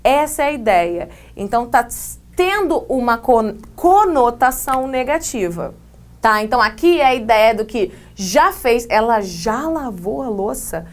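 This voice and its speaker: This is a classroom video lesson on English grammar, taught to camera by a woman whose bright, high voice carries a Brazilian Portuguese accent. She takes her time, explaining things in an unhurried, lively, conversational style with playful asides.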